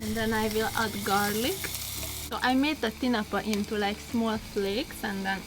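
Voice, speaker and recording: A woman's voice: fairly high pitch, fairly even intonation, moderate pace, background noise. A woman hosting a casual outdoor cooking vlog, chatting and giggly as she explains things. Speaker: vlog host. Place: outdoors on a farm.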